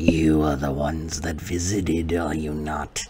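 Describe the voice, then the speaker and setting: Put-on character voice from a man, very deep and low, moderately paced, with clear background noise. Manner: eerie.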